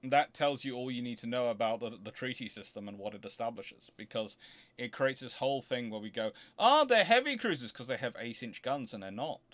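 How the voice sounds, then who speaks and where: A man's voice: mid-range voice, animated, fairly quick, fairly bright tone. A man with a mid-range voice talks as a host fielding audience questions. His delivery is unscripted and explanatory. He is emphatic, wanders into side points and often corrects himself mid-sentence. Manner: emphatic, digressive, self-correcting. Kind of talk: off-the-cuff explanatory talk.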